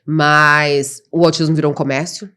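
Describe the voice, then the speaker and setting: A Brazilian mother with an autistic child, appearing as a podcast guest, recounts her experience in a blunt, impassioned way with a Brazilian Portuguese accent. She speaks at normal speed in a deep, flat, bright and forceful voice.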